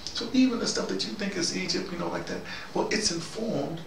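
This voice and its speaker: Guy doing an opinionated brainy dude rambling on, kinda creaky voice, far from the mic w loud noise behind. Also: sits high, brisk, pitched above the performer's own voice. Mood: opinionated, insistent. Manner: digressive, animated, argumentative, punctuated with "you know". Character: theBrother, easygoing, opinionated intellectual man rambling on brotherhood. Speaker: vlogger in character. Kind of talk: casual rambling monologue. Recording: distant mic, echoey room, loud background noise.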